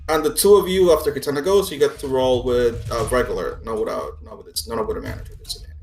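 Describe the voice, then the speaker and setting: A man's voice: medium pitch, darkish tone, soft background music. Male game master in an echoey room. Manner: halting, conversational, explanatory. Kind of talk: improvised tabletop game narration.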